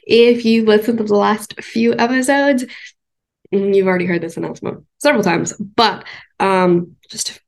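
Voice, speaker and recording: A young adult woman with a congested voice, hosting a podcast in a casual, thoughtful talk with frequent pauses and ums. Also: mid-range voice, steady tone, vocal fry. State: congested from a cold. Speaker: podcast host.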